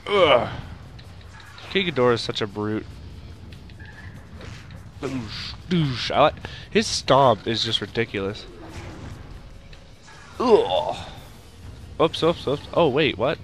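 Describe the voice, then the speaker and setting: A young man with a stuffy nose from a cold, rambling through casual let's-play commentary and shouting at the game now and then. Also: medium pitch, expressive, takes it slowly, pauses often, faint music behind. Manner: rambling, makes sound effects and shouts at the game.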